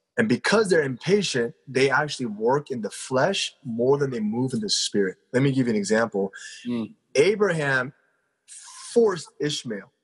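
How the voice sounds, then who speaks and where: A man's somewhat breathy voice at a moderate pace, very wide pitch swings, dry close sound with no echo. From South Korea (US Army base). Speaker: ministry director. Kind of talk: casual interview.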